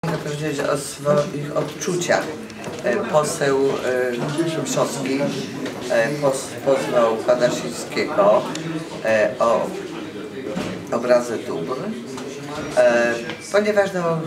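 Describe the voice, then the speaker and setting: A woman's voice: a bass voice, takes it slowly, over a noisy crowd. Indignant older woman, echoey corridor. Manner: indignant, rhetorical questions, many hesitations. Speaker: journalist giving a statement. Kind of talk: statement to camera. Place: court building corridor, indoors. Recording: roomy corridor echo, voices from far off.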